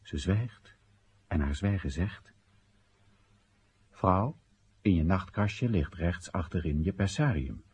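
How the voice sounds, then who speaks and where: A man's voice: sits low, expressive, slow pace, long pauses, darkish tone, slightly rough, exaggerated voice. An actor playing an exasperated, ironic Chinese citizen addressing his comrades in emphatic short phrases, in a theatrical radio play monologue. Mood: hushed, intimate.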